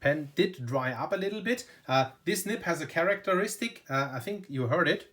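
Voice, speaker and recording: At his desk indoors, a German man reviews a pen in English with a German accent, chatting casually and enthusiastically. His relaxed, unscripted talk keeps piling up "very, very" and "you know," in a voice on the high side at a moderate pace.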